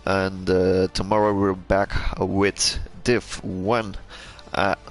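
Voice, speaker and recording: A young man with a Belgian accent calls an online sim race, faltering with lots of fillers and restarts while engine noise and loud music run underneath. His low voice is flat, and he takes his time.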